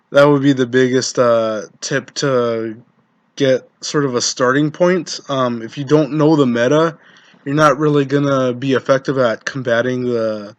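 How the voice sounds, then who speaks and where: Hoarse man, halting and full of ums. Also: mid-range voice, no echo, muffled recording. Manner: hesitant, many ums and restarts. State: hoarse from being sick. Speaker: Yu-Gi-Oh content creator. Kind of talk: casual talk to camera, deck-building tips.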